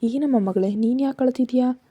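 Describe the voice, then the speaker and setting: A middle-aged mother in a spoken story, gently questioning her worried daughter, as a woman narrator puts her on. The voice is a touch raised yet dark and husky, recorded dry. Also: high voice, moderate pace, no room sound, highs cut off. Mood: puzzled.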